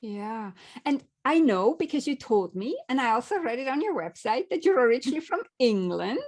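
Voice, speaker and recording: At a moderate pace, a woman talks in a high pitch with very wide pitch swings. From Switzerland, near Zurich. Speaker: podcast host. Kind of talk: podcast interview.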